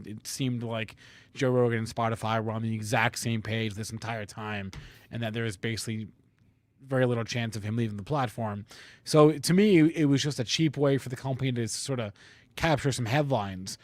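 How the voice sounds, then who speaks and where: A man commentating on a live market show, reasoning aloud in casual debate and often repeating words haltingly. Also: mid-range voice, no room sound.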